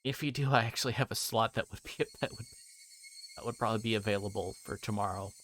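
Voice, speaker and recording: A man livestreaming a visual novel, reading it aloud and chatting to viewers in a hesitant, halting way. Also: lowish voice, fairly bright tone.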